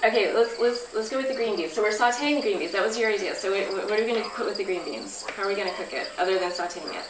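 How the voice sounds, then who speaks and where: A woman's voice: mid-range voice, racing. Woman teaching a class from afar. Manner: friendly, asks the group questions. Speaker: workshop teacher. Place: outdoor pavilion, standing at a flip chart. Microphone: far camera. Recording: roomy, distant camera audio with noise. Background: insects and crickets.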